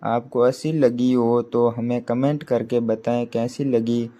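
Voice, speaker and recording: A man narrating a short emotional story at a slow, halting pace. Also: mid-range voice, flat delivery, mellow. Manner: slow, halting reading with restarts.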